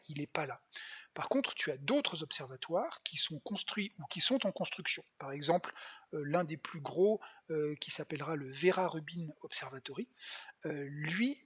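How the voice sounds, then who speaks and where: A bright, forceful voice with a husky edge, explaining astronomy at a patient pace for young viewers. The talk is full of hesitant fillers and quiet asides muttered while working the screen. It comes through a dull, lo-fi home stream. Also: medium pitch. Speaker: planetarium science educator. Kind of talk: live online astronomy demo for kids.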